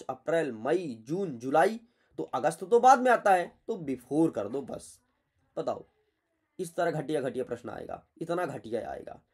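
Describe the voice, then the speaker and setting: A man's voice: on the high side, darkish tone, husky. A man teaching through an exam paper, blunt and chatty, scolding students as he goes. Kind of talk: exam paper walkthrough lesson.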